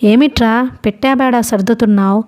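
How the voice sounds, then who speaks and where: A woman's voice: on the high side, brisk, darkish tone, natural voice. A woman voicing a grown man, an elder brother who questions his sibling with probing, teasing questions, in an audiobook novel.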